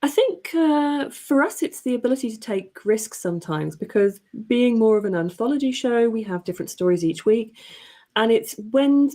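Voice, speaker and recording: A woman's voice: mid-range voice, dark tone. A woman speaking earnestly and appreciatively in an unscripted panel discussion. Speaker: panelist, editor of story anthology show. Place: remote online panel call.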